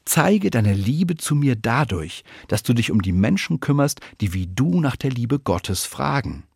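A man voicing a calm, patient teacher who asks gently and speaks slowly. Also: mid-range voice, vocal fry, breathy edge, no echo, studio quality, voice pushed up, full character voice. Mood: earnest.

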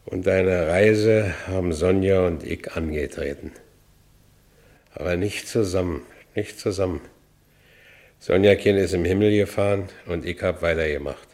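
In first-person radio drama narration, an actor with a Berlin accent plays a haunted working-class Berlin man bitterly recounting his past. His deep, darkish voice moves a little slowly, with a brooding mood.

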